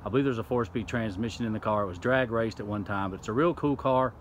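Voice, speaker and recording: Man, very low voice, off-the-cuff outdoor narration, audible background noise. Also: quick pace. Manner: off-the-cuff, rambling with restarts. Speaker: car video host. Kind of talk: casual walkaround narration. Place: outdoors beside a house. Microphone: handheld camera, speaker off screen.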